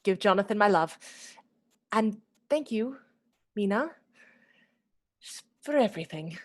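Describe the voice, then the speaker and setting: An actress as a haunted young bride-to-be in a radio drama. Her pitch moves freely and expressively, with a dreamy, fragile and tender delivery. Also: animated, unhurried, lightly acted. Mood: tender, earnest. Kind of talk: live radio play acting.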